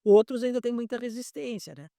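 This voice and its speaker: A man's voice: very high voice, steady tone, fairly quick, creaky, warm tone, no echo, studio quality. A man, an airline pilot examiner explaining things patiently in a podcast interview and often repeating words as he searches for them.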